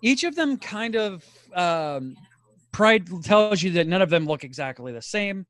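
Slow-spoken man running a tabletop game. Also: high voice, no echo. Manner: relaxed, laughing, with frequent fillers. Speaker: game master.

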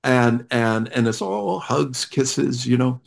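A man speaking as a ministry leader guest in an interview, halting with many fillers but friendly. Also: medium pitch, fairly even intonation, gravelly.

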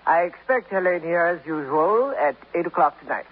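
A man playing a guarded columnist who gives careful, measured answers in 1950s radio drama style on an old recording. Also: on the high side, animated, breathy edge. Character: guarded, smooth male columnist. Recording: tinny old radio transcription, faint hiss.

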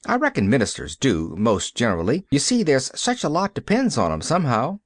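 An eager little girl chatters on in a bright, hopeful rush, as a man raises his voice to play her. Her lines lift higher than the storyteller's own and bounce with lively rises and falls. The sound is dry and close, like a quiet audiobook read. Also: dry recording. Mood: earnest. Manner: earnest, hopeful, rushing chatter.

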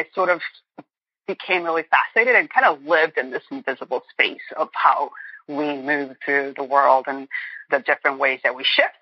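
A woman's voice: low-pitched, slightly rough, no echo. A woman in her forties from Boston, a guest author speaking earnestly and reflectively in an interview. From Boston, United States. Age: 40s. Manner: earnest, reflective, thinking aloud. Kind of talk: conversational interview. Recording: muffled, dry lo-fi line.

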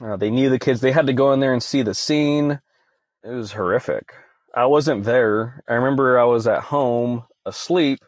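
A man's voice: medium pitch, normal speed, dry recording. Young man telling a story, dry close sound. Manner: conversational, leans on "you know" fillers. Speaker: podcast guest. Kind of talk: casual interview storytelling.

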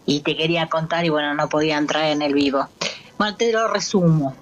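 A woman with an Argentine accent calls in to tell a story. She hesitates often, filling pauses with soft sounds. Her voice sits on the lower side. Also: lo-fi sound, slight background noise. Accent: Argentine Spanish. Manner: hesitant, many fillers. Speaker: caller. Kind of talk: casual storytelling.

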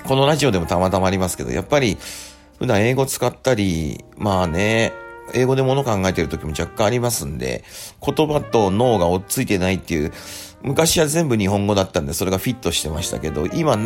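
A man hosting a casual radio segment, telling relaxed stories with plenty of fillers. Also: low voice, fairly quick, faint music behind. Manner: chatty, relaxed storytelling with many fillers. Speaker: radio host and rakugo storyteller. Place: Japan.

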